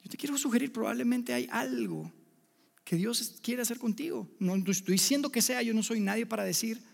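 A man preaching a sermon, speaking to listeners directly as friends, with dramatic swings between loud emphasis and hushed lines. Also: very high-pitched, sing-song, brisk, gravelly, in a large hall.

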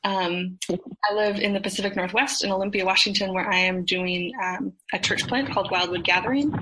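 A woman's voice: medium pitch, fairly even intonation, fairly quick, noisy background. American woman, thirties, mid-range voice, moderating a group chat in a loose, tentative way. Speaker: host, moderator. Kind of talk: casual group conversation.

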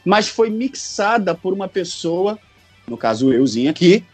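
A man with a Rio de Janeiro Brazilian accent, telling stories emphatically in a casual podcast chat, repeating phrases for effect, his voice slightly husky. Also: high voice, big pitch swings, unhurried, dry recording, soft background music. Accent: Rio de Janeiro Brazilian Portuguese. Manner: emphatic storyteller, repeats phrases and quotes others. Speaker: podcast guest, fan dubbing director and audio mixer.

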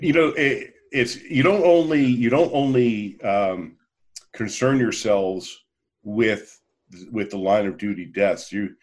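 A man's voice: fairly low pitch, darkish tone. A man hosting a conversational interview, feeling his way through sentences with hesitations and repeated words. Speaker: interviewer, host.

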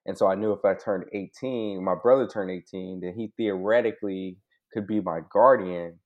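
Male interview guest, American, very low register, informal and open, telling personal history; slightly dull lo-fi sound. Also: steady tone, moderate pace. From United States (born in Hawaii, grew up in California). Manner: informal, open, frequent "right?" and "like" asides. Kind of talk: candid personal life story, casual. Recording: dull, lo-fi audio.

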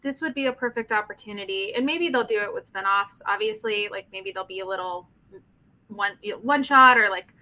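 A woman's voice: medium pitch, a little fast, sharp tone, poor audio. A woman co-hosting a casual comics podcast, tired and emotionally drained, candid and frank, often trailing off. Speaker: podcast co-host. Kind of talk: casual live-streamed comics podcast chat.

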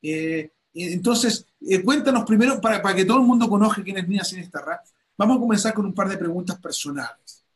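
A man hosting an interview with a high, bright voice. He talks with lively enthusiasm and stumbles into frequent fillers and restarts as he introduces his guest. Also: fairly quick. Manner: animated, many fillers and restarts. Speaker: host.

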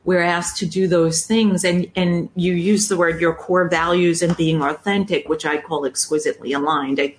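In her fifties and from the United States, this podcast host conducts a casual interview with a fairly low, steady voice at a moderate pace, barely pausing, over a little hiss or hum. Warm and chatty, she laughs a lot and shares about herself.

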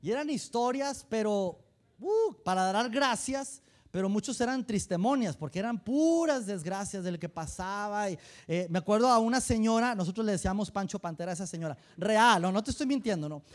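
A man's voice: sits high, brisk. A man with a Mexican accent, a pastor preaching a sermon who tells humorous stories and speaks straight to the congregation. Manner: animated, humorous storytelling, direct address to the congregation.

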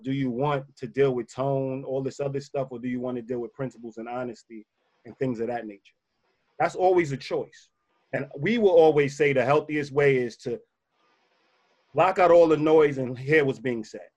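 Emphatic man with a bassy voice. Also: a little mellow, highs cut off. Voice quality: a little bassy voice. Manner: emphatic, repeats key points. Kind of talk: casual advice talk.

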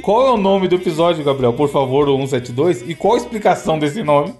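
Animated man telling stories. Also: fairly high pitch, fairly quick, faint music behind. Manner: animated storyteller, slangy and profane, laughs often. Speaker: podcast host. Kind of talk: casual podcast chat.

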